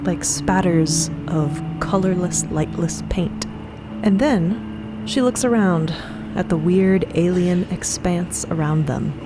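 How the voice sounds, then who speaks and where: A woman co-narrates a dramatic fiction podcast in short, deliberate phrases. Her pitch is on the low side and her pace is very slow. Music plays clearly behind her. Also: low-quality recording. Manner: measured, deliberate, with pauses between phrases. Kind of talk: dramatic, descriptive co-narration, present tense.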